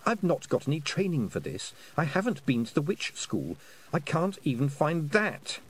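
Guy doing a young girl voice, earnest and bit bossy, lively pitch. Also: moderate pace, breathy edge, exaggerated voice. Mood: anxious. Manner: earnest, pleading, sharp-tongued. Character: stubborn young farm girl, earnest witch-to-be. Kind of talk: audiobook character voice.

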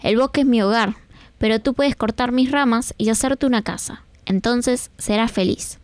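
A soft-spoken, giving old apple tree tells the boy to come and rest, as a woman reads it aloud. The voice sits fairly high, but it drops a little and turns tender for the tree. It is recorded close and dry, like a radio studio. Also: normal speed, dry recording, lightly acted.

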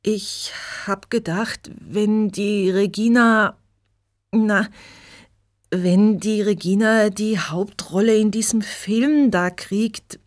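A woman voicing a guilty young man who confesses in a quiet, halting voice. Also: mid-range voice, steady tone, voice pushed up, close to an everyday voice. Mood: ashamed.

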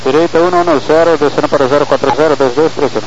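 A man's voice: fairly high pitch, quick pace. A male airline pilot reading back headings and altitudes in clipped phraseology, heard over a two-way aviation radio. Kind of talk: clipped air traffic radio readback. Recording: muffled radio with faint static.

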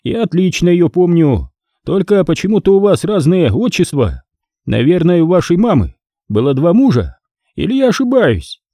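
Higher-pitched, taunting crime boss voiced by a man. Lively swings, mellow tone, dry close sound. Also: normal speed, no room sound, heavily acted. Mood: mocking. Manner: taunting, barked threats and sly mockery. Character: sneering crime boss, mocking and menacing man.

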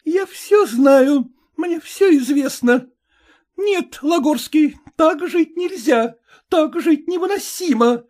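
A man's voice: extremely high pitch, big pitch swings, normal speed, darkish tone, pitched above the performer's own voice, exaggerated voice. A man voicing a jealous, hysterical young actress who shrilly accuses her husband. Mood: furious.

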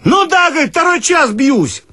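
A man's voice: big pitch swings, normal speed, sharp tone, no echo, studio quality, full character voice. A man voicing a panicked Soviet poet, trapped and begging in broken German. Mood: desperate pleading. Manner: pleading, shrill, broken German.

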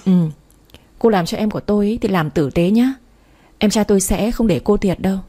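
A woman voicing a blunt, condescending older sister who questions others briskly in a storybook reading. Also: mid-range voice, warm tone, close to an everyday voice. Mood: probing.

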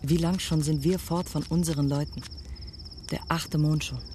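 An actor in a German radio drama playing a lonely Native American wanderer, murmuring in a hushed, reflective way to his animal companion. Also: a little high, fairly even intonation, normal speed, background noise, close to an everyday voice. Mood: soothing, watchful. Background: music with animal and insect sounds.

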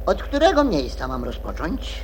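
An actress playing a fussy, officious rabbit court herald in a children's audio play, declaiming formally. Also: female voice, sits low, wildly swooping pitch, normal speed, faint music behind.

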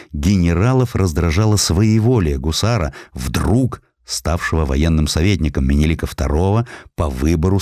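A man reading a historical story aloud as an audiobook narrator, with expressive, dramatic storytelling. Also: deep voice, no room sound, clean studio sound.

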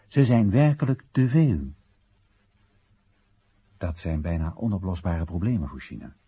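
A man's voice: sits low, very animated, a little slow, mellow, slightly rough, heavily acted. An actor in a radio play monologue playing an earnest, dutiful and wistful young man who explains things emphatically. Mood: emphatic, stern.

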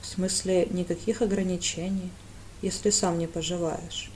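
A woman's voice: on the low side, flat delivery, moderate pace, darkish tone, a little hiss or hum, close to an everyday voice. A woman voicing a cold, curt male priest with a clipped, dry manner.

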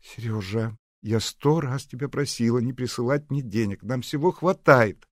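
A man voicing a gentle, earnest young woman student. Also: mid-range voice, moderate pace, dry recording, studio quality, pitched above the performer's own voice, lightly acted.

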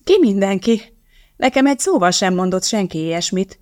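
A woman voicing a sharp, skeptical young woman chemist in an audiobook, with a pointed, questioning manner. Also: medium pitch, animated, no echo, studio quality, natural voice. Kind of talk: audiobook character voice.

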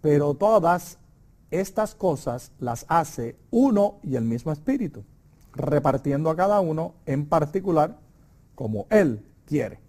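A middle-aged man with a Puerto Rican Spanish accent leads a Bible study in a conversational but preacherly way. His voice sits a little on the high side, and he pushes up hard on key points. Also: very animated, a little slow, dark tone. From Puerto Rico. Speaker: Bible lesson presenter.

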